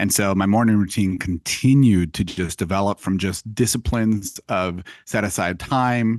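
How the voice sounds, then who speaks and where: Against a quiet background, a man uses a plain, everyday voice at a fairly low pitch with ordinary pitch variation and a moderate pace, the sound dry and close with no echo. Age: 30s. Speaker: mortgage broker. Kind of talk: casual chat.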